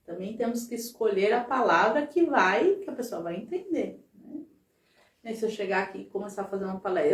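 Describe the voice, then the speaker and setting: A woman's voice: fairly high pitch, darkish tone, recorded from a distance. A woman giving a conversational talk at a spiritist center, constantly checking in with her listeners. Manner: chatty, constant tag questions to the audience. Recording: roomy sound, voice from off the mic.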